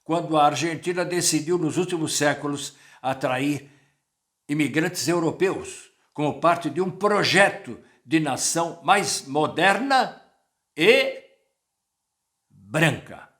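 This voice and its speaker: A man's voice: fairly high pitch, expressive, slow pace, a bit bright. An older man, a journalist, giving a reflective spoken commentary that quotes sources and asks rhetorical questions.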